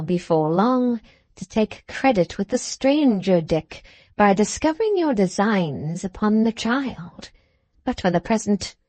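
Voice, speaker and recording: A woman performs a wicked dwarf husband from a classic storybook. He is mocking and menacing, savouring his words in a slow, emphatic drawl. The sound is dry, with little room around it. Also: mid-range voice, mellow, no room sound.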